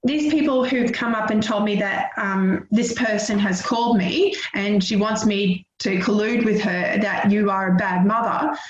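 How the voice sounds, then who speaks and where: A woman, emotional and near tears, telling her story in a rushed, upset way as an interview guest. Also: medium pitch, echoey room, muffled recording, slight background noise. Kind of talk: phone interview.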